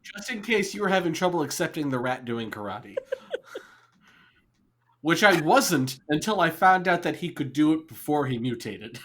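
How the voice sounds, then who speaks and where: A man's voice: on the high side, animated, moderate pace, fairly bright tone, slight background noise. A man co-hosting a podcast, explaining things in a wry, joking way. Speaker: podcast co-host. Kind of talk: casual chat.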